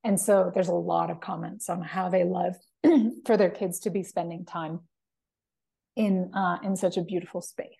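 A woman being interviewed as the founder of an app, speaking enthusiastically with a slightly croaky voice and frequent restarts. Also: fairly low pitch, fairly even intonation, moderate pace, dark tone. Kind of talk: interview conversation.

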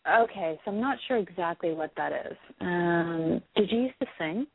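A hoarse woman with a cold, giving a psychic reading to a caller, hesitant with many ums before firm predictions. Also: lowish voice, lively intonation, normal speed, no room sound. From United States. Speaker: psychic reader. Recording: dry, phone-quality sound.

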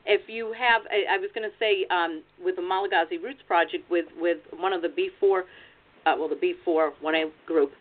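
A woman's voice: lowish voice, fairly even intonation, fairly quick. An American woman presenting as a genealogy researcher, giving practical advice in an explanatory webinar talk over a video call. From United States. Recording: tinny phone-like online call audio.

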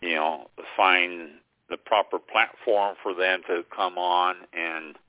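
A man's voice: sits low, fairly even intonation, slow. A man co-hosting a radio talk show, chatting loosely and hesitantly about upcoming guests. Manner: rambling, unsure, hesitant. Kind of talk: casual planning chat. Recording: tinny dry phone line.

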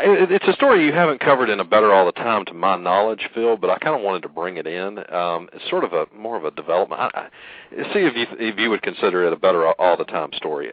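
Deep-voiced male co-host, earnest and hesitant; phone-line sound. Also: no room sound. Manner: earnest, hesitant, many pauses. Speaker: podcast co-host. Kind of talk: casual podcast conversation. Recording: tinny phone-line call audio.

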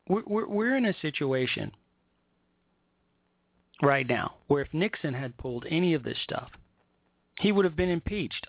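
An American man hosting political talk, giving emphatic, indignant commentary and reading out news reports in deliberate phrases. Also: fairly high pitch, no room sound. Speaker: political talk show host. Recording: tinny, narrow phone-like line.

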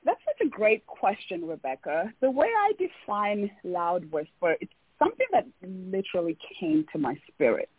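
A woman's voice: mid-range voice, big pitch swings, moderate pace, breathy edge, no echo. Earnest Tanzanian-born woman on a phone line. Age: adult, came to America at seventeen for college. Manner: earnest, emphatic, spiritual. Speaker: guest, life coach. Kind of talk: radio interview.

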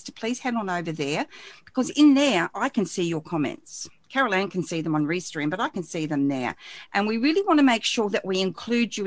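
A woman hosting a live-streamed interview, gentle and effusive, greeting viewers and reading out their questions. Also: mid-range voice, no echo. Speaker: radio show host.

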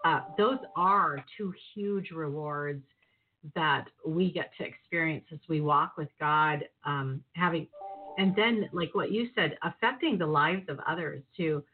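A woman's voice: low-pitched, measured pace, slightly rough. A woman hosting a casual faith-based interview, enthusiastic and rambling, with many fillers and restarts. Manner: warm, enthusiastic, loose and rambling. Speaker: host. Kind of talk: casual Christian interview chat. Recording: tinny phone-like audio.

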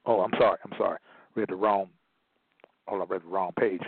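A man's voice: low-pitched, steady tone, a little fast, slightly rough, dry recording. A man giving an emphatic lecture, partly reading aloud and repeating phrases for stress. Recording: tinny phone-like line, dry.

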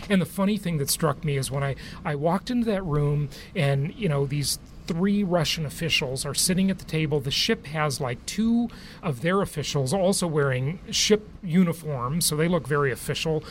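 A man's voice: fairly high pitch, slight background noise. A man hosting a podcast, telling a travel story in a chatty way, laughing often, then interviewing a guest. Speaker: podcast host. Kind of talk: casual monologue and interview. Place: aboard a cruise ship.

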